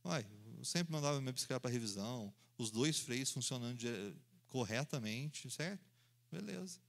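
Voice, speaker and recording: A man, preaching in an animated storytelling style, acting out voices and sounds and laughing along as he goes. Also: medium pitch, moderate pace, gravelly. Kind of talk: storytelling sermon.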